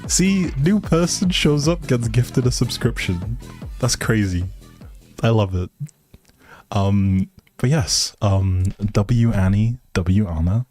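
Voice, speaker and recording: Mellow, low-voiced man chatting on stream. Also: lively intonation, slow pace, soft background music. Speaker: live streamer, host. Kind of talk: casual livestream chat with viewers.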